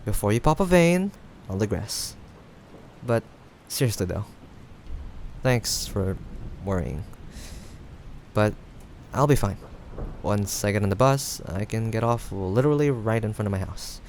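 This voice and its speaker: Casting: man as teasing, caring young guy friend for audio roleplay, lowish voice with vocal fry, casual and reassuring, rain behind. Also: expressive, a little mellow. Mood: amused teasing, then warm, reassuring. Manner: casual, teasing, chuckling, hesitant pauses. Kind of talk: improvised audio roleplay addressed to the listener. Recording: faint background noise, rain ambience. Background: rain sound effects.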